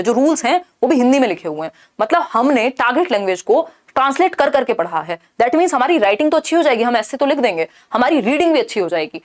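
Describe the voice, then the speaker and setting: A woman teaching an exam-prep class, her voice sitting a little high. She walks through each point step by step and slips English terms into her explanation. She keeps asking rhetorical questions and checking that the class is following along. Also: darkish tone. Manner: asks rhetorical questions and checks in with "thik hai".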